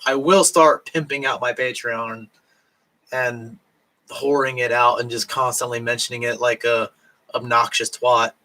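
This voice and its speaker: A drunk man streams live late at night from home in Japan, his rambling speech halting and full of fillers and restarts. His mid-range voice sounds sharp and is starting to go hoarse, and the recording is rough.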